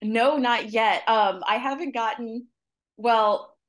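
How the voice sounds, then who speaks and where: Upbeat woman with a higher voice. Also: takes it slowly. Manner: upbeat, chatty, laughs often. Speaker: author guest. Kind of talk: casual interview chat. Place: her apartment.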